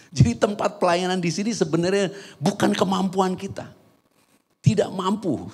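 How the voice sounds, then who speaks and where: A man preaches in a large church hall, his voice sitting a little high for a man. He moves from telling a personal story to fervent exhortation, and a long reverb trails every phrase. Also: darkish tone. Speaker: pastor. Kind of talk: sermon.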